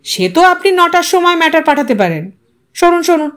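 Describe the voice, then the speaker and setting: A woman voicing a brisk, impatient young male TV reporter in a story, complaining and mixing English into his speech. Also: very high voice, very animated, a bit bright, pitched above the performer's own voice, heavily acted.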